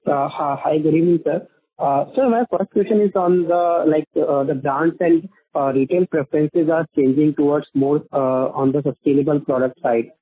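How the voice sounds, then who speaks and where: A man's voice: fairly high pitch, fairly even intonation, normal speed, breathy edge, dry recording. A man putting questions as an analyst on an earnings call, hesitant and polite. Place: conference call by phone. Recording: narrow dry phone line.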